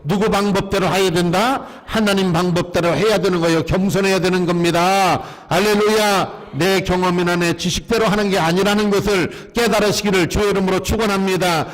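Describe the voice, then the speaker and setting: A male pastor preaches to his congregation in a high voice. He keeps asking them questions and having them repeat his lines back to him. The sound rings with the long reverb of a church sanctuary. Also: fairly even intonation, fairly quick, few pauses. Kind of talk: sermon.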